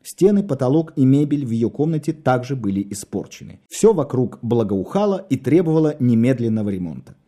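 A man reading a story aloud, expressive and wry in his storytelling. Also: mid-range voice, fairly quick, few pauses. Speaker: narrator. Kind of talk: audiobook narration.

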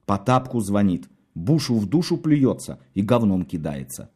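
A man's voice: on the low side, sing-song, moderate pace, darkish tone, husky, pitched below the performer's own voice. A man voicing a blunt, irritable man in a story.

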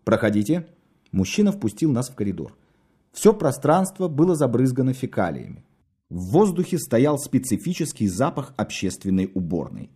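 Guy narrating an audiobook, husky mellow voice, lots of pitch movement. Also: sing-song, normal speed.

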